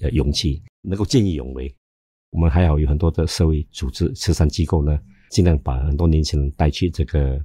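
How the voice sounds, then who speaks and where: Somewhat breathy and dark, mellow in tone, a man's very deep, low voice moves at a fairly quick pace with ordinary pitch variation and a dry, close sound with no echo. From Singapore (Teochew family). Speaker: former member of parliament. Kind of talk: interview.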